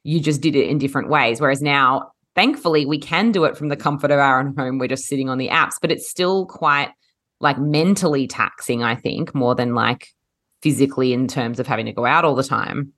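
A woman with a low voice co-hosts a relaxed chat podcast. She is a little husky from a head cold. She talks in a chatty, animated way and laughs often. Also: a little fast. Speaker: podcast co-host. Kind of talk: casual chat.

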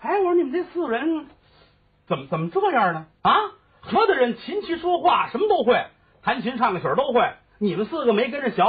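Brief: high, very animated man, voicing all the characters of a comic story. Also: a little fast, husky. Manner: switches voices between characters, sings opera snatches. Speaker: crosstalk storyteller. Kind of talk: comic storytelling with sung parts. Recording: phone-like lo-fi recording with faint music.

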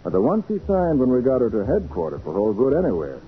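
A man acting a confident, shrewd private detective in a 1940s radio drama, brisk and authoritative as he takes charge and explains. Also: mid-range voice, wildly swooping pitch, soft background music. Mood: explaining, assured. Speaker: actor in a radio crime drama. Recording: muffled, noisy 1940s radio recording.

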